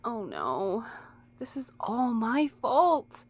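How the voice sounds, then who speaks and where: A woman's voice: on the high side, very animated, drawn-out words, heavily acted. An actress in an audio drama playing an earnest, anxious, guilt-ridden young woman who speaks with pleading emotion. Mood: guilty, tearful.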